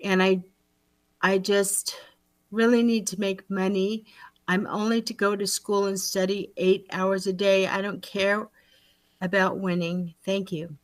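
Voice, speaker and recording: A woman's voice: mid-range voice, level tone, unhurried, no room sound, lightly acted. A woman improvising an earnest group facilitator on a reality show who is blunt and insistent about making money. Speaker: improv performer. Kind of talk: improvised comedy scene.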